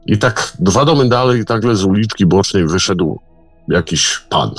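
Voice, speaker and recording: A man telling a personal story in casual speech, halting, with repeated words and restarts. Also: lowish voice, animated, no echo, faint music behind.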